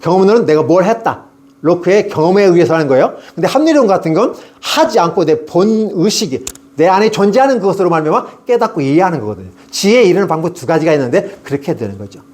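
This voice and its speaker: A man's voice: high-pitched, sing-song, fast, a little mellow. A middle-aged male pastor preaching an evening revival sermon, asking rhetorical questions and acting out people's prayers.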